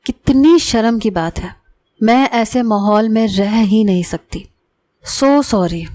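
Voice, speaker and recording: A woman's voice: on the high side, dark tone, close to an everyday voice. Woman reading as an indignant young woman. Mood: dismissive.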